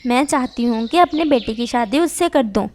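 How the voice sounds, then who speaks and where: A woman's voice: fairly high pitch, expressive, moderate pace, darkish tone, lightly acted. A woman voicing a kind, motherly neighbor bird in a cartoon, speaking in a reassuring way. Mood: polite.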